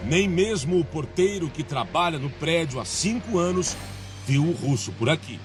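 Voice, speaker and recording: Man, Brazilian accent, TV news reporter, emphatic, lively pitch, faint music behind. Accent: Brazilian Portuguese. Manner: measured, emphatic reporter delivery. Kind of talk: scripted news narration and street interviews.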